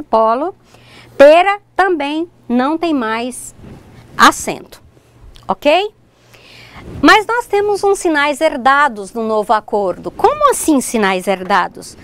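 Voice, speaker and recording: A woman teacher leads a recorded online lesson, her fairly high voice swinging widely in pitch. She explains examples step by step and talks straight to her students, often checking that they follow. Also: animated, measured pace, fairly bright tone. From Brazil. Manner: addresses students directly, points at examples. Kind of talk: recorded distance-learning lesson.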